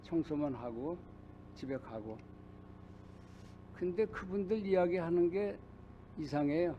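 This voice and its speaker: Older guy pastor, highish voice, slow halting sermon story, lo-fi church tape. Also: slight background noise. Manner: personal storytelling, halting with many pauses. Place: church sanctuary.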